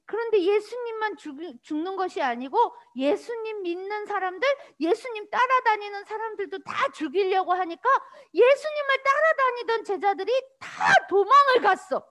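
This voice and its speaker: A woman with a very high voice gives a children's sermon in a church room. Her pitch swings widely as she talks in an animated, sing-song way, asking the little ones questions. She speaks as their pastor. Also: normal speed, few pauses.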